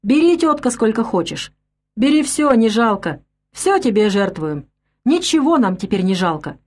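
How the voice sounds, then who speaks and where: A woman reading an audiobook, voicing a coarse, bitter, drunk male peasant laborer with rough country speech. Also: a little high, very animated, normal speed, a little mellow.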